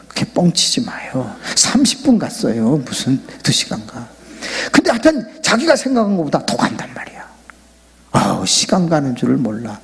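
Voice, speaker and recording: A male pastor with a very husky, breathy voice preaches a playful revival sermon in a big church sanctuary. His delivery swings widely in pitch, and he keeps getting the congregation to shout prayers. The long reverb of the hall trails after every phrase. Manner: jokey, animated, leads the crowd in loud shouted prayer.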